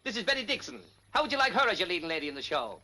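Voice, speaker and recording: An actor playing a smooth-talking showman and con man, full of glib, backslapping salesman patter. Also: sits high, very animated, racing, bright, forceful tone, heavily acted.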